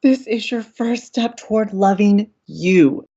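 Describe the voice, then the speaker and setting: A woman playing an encouraging, excitable young college radio co-host in an audio drama. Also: mid-range voice, slow pace, slightly rough, lo-fi sound. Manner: gushing, excitable.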